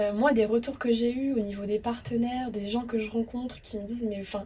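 Here is a woman with an unremarkable speaking voice, pitched fairly high. Her intonation stays fairly even. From France, Corrèze (Limousin). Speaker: beauty pageant contestant. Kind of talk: casual interview.

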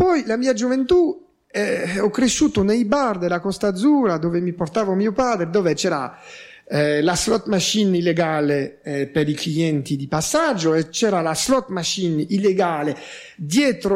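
Speaking with a French accent at a fairly slow pace, the voice makes very wide pitch swings in a very clean recording with a silent background. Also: man. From France. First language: French (speaking Italian). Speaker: anti-mafia activist and researcher. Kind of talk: interview. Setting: radio studio.

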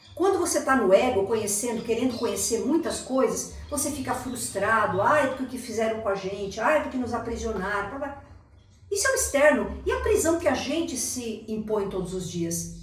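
Amid noticeable background noise and audible room echo, a woman with a fairly high pitch speaks at a moderate pace with lively intonation. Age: 60s. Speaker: spiritual teacher. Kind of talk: spiritual talk.

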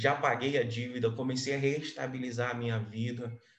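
A man at a medium pitch and moderate pace, with audible room echo. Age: 20s. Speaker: civil engineer. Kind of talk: interview, casual chat.

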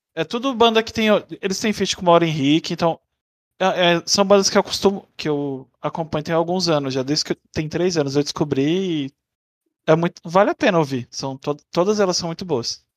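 Here a man talks at a moderate pace in a high pitch with ordinary pitch variation. The sound is dry and close, with no echo. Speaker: podcast host. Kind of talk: casual chat.

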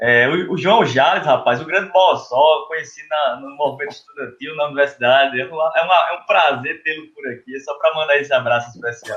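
A man's normal speaking voice at a moderate pace, with ordinary pitch variation. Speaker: podcast co-host, football commentator. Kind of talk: casual chat, interview.

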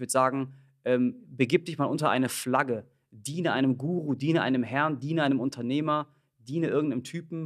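A man with an ordinary speaking voice talks fairly quickly at a fairly high pitch. His intonation is fairly even, but his loudness swings widely. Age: 30s. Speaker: entrepreneur. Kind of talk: interview.

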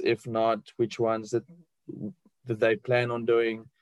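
On a very clean, dry, close recording with a silent background and no echo, a man speaks fairly slowly at a medium pitch. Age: 30s. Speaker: sports scientist and strength coach. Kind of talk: interview. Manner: halting, many fillers.

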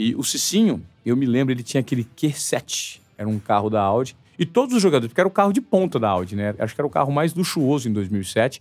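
A man talks at a very fast pace with hardly any pauses, his medium pitch swinging very widely. The recording is very clean, with a silent background. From interior of São Paulo state, Brazil. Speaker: sports journalist, podcast host. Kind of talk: storytelling monologue. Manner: animated.

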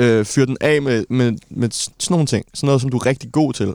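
The recording is very clean, with a silent background and a dry, close sound with no echo. A man talks at a fairly slow pace and a medium pitch, with ordinary pitch variation. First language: not Danish (speaking Danish). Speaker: podcast co-host. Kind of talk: casual chat.

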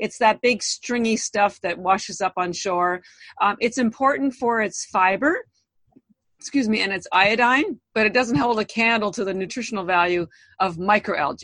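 A woman speaks in an ordinary speaking voice, her fairly high pitch and lively intonation moving at a moderate pace in a dry, close sound with no echo. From Canada. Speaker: algae company founder. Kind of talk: interview.

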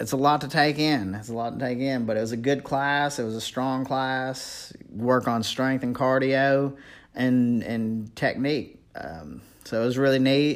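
Fairly even intonation in an unremarkable speaking voice, delivered at a fairly slow pace. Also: man, medium pitch for a man. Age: 30s. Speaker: podcast host, father. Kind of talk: casual monologue. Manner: casual, filler-heavy.

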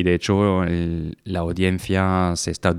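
In a very clean recording with a silent background, a speaker with a French accent talks in a monotone, flat intonation. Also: man, dry, close sound with no echo. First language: French (speaking Spanish). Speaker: podcast host and digital agency founder. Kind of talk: solo reflective monologue. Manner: halting, many fillers and repetitions.

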